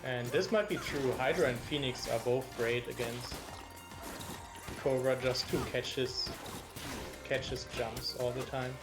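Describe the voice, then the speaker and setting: A man's voice: mid-range voice, fairly even intonation, a little slow. German-accented man calling a match. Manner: analytical, explains the players' reads. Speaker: esports commentator. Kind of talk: live tournament commentary. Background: game music.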